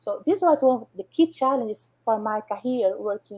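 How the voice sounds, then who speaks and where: A woman's high voice with a Brazilian Portuguese accent, dark and mellow in tone, at a moderate pace. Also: dry, close sound with no echo. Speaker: software professional, panelist. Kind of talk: panel discussion.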